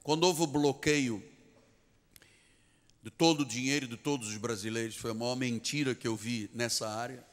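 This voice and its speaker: A man's voice: mid-range voice, fairly even intonation, moderate pace. A man with a Portuguese accent preaching a sermon as pastor, telling a story with emphatic repetition of key phrases. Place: large church sanctuary. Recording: long church reverb.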